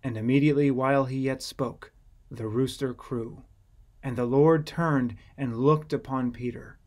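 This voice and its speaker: A man's voice: mid-range voice, steady tone, a little slow, a little mellow. A man reading scripture as an audiobook narrator, in a solemn, dramatic storytelling manner.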